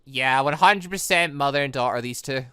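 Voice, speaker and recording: A let's player giving excited, rambling commentary on a game while reading its dialogue aloud. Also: medium pitch, moderate pace, clean tone, dry recording, clean studio sound. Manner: rambling, animated, exclaiming.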